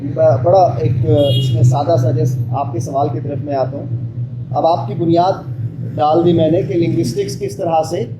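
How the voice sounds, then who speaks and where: A male teacher with a slightly higher voice runs an interactive pronunciation lesson. He sounds out single letters with emphasis and keeps quizzing his listener. The sound is echoey with a steady hiss of background noise. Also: normal speed.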